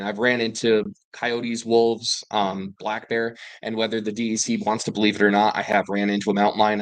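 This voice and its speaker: Low-voiced man telling eerie stories. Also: no echo, low-quality recording. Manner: rambling, with fillers and restarts, excited bursts in quoted speech. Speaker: panel guest telling paranormal encounters. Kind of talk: casual storytelling.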